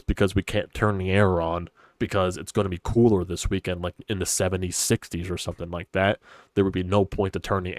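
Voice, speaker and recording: A man's voice: low-pitched, no room sound, clean studio sound. Congested man on a sports stream. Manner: rambling, opinionated, swears casually. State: congested, stuffy nose. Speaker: sports podcast host. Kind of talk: casual solo sports talk stream. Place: hot stuffy room at home.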